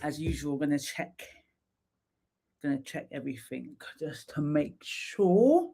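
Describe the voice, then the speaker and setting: A woman, hosting a live stream in a casual, chatty way, full of fillers and restarts and quick to laugh. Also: low-pitched, animated, vocal fry, dark tone, slightly rough. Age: 30s. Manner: chatty, laughs easily, lots of fillers and repeats. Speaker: livestream host and psychotherapist. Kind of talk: casual livestream chat.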